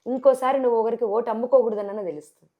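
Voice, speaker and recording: A woman with a Telangana Telugu accent, a sarpanch candidate answering in a TV interview, forceful and full of rhetorical questions. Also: on the high side, steady tone, rapid-fire, phone-quality sound.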